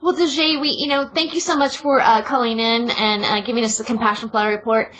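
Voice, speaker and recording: A woman's voice: a little high, fairly even intonation, a little fast, a bit bright, rough recording. A woman hosting a casual radio talk show, interviewing guests and stumbling over words at times.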